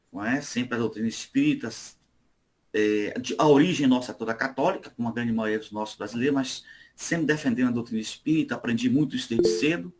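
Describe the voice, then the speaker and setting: Bahian man giving an informal spiritual talk. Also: mid-range voice. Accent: Bahian Brazilian. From Salvador, Bahia, Brazil. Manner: conversational, frequent tag questions. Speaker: guest speaker at a Spiritist study meeting. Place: online meeting.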